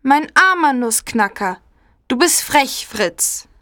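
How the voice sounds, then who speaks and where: A man doing a high earnest little girl. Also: expressive, takes it slowly, pushed and bright, dry recording, clean studio sound, exaggerated voice. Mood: upset. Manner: pleading, high childlike voice.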